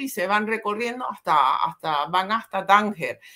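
The pace is moderate and the tone is bright and sharp. The background is quiet. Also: woman. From Canary Islands (Icod, Tenerife); Canary Islands. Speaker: novelist, retired teacher; retired teacher. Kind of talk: interview. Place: home room.

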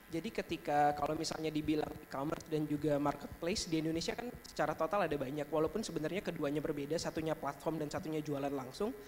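A man with a fairly high pitch talks at a very fast pace with hardly any pauses, his intonation fairly even over light background noise. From Bali. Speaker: audience member asking question; audience member. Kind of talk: audience question. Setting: stage with audience. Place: hall. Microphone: handheld.

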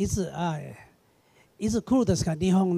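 Speaking at a moderate pace with a Taiwanese accent, this voice comes through on a very clean recording against a silent background. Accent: Taiwanese accent in Japanese. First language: Mandarin Chinese (speaking Japanese). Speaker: saxophonist. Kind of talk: casual interview. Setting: department store stage. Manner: halting.

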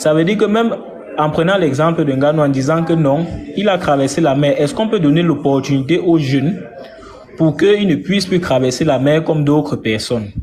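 There is noticeable background noise as a man speaks at a fairly quick pace. His voice is fairly high, with ordinary pitch variation and very even loudness. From Cameroon. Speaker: political commentator. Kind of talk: debate. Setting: online live stream.

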